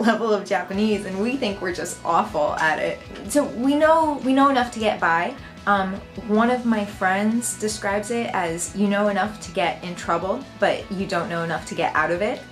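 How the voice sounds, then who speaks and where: A woman's voice: medium pitch, normal speed, soft background music. Chatty American woman vlogger. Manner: chatty, laughs often. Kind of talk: casual talk to camera.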